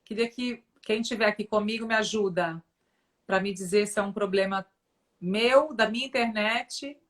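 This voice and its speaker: A woman's voice: medium pitch, normal speed, fairly bright tone. A woman hosting a casual live stream, chatty and addressing viewers directly. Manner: chatty, fillers like né, talks to audience.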